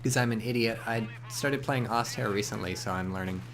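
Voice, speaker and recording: Low-voiced man rambling over a game. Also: brisk. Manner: rambling, joking asides, excited bursts. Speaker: game commentator. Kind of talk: casual video game commentary.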